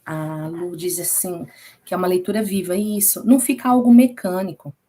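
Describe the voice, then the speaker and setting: Mellow-voiced Brazilian woman teaching a Bible class. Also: lowish voice, normal speed. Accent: Brazilian Portuguese. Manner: chatty, checks in with listeners often. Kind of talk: casual recorded class.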